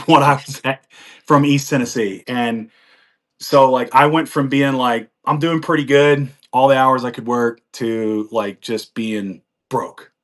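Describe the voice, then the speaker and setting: A man's voice: medium pitch, fairly bright tone. Forties American male guest, casual live chat, loose and talkative. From United States. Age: 40s. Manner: rambling, chatty storytelling with frequent laughs and fillers.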